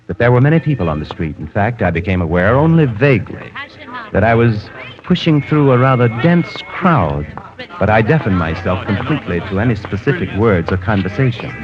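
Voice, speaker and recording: A cold, clinical killer, played by a man recounts his plan in a deep, low voice, calm and clipped. The sound is a dull old radio broadcast with music underneath. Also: natural voice. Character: cold, precise male killer keeping a diary. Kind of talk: 1940s radio drama narration.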